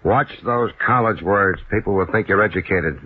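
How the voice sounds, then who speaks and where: A man's voice: deep voice, moderate pace, breathy edge. An actor playing a laid-back, tough private detective in a 1950s radio drama, dry and wisecracking as he narrates and talks. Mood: teasing, brisk. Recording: tinny old radio broadcast with music.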